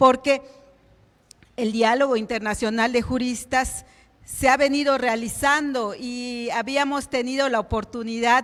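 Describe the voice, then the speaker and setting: A woman speaks in a high pitch at a fairly slow pace. Her intonation is monotone and flat. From Mexico, Mérida, Yucatán. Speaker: academic speaker on technology and education. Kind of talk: lecture.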